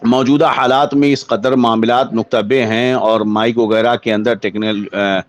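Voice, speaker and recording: A man with an Indian accent, a Muslim cleric giving a religious ruling as a lecture in deliberate, formal scholarly phrasing. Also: mid-range voice, steady tone, no echo.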